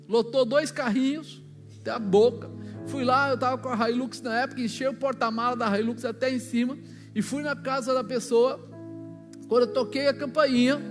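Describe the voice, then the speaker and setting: A man with a Brazilian accent preaching a sermon, telling stories in a loose, colloquial way and acting out the dialogue. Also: very high-pitched. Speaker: pastor. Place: church. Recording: long church hall reverb with music behind.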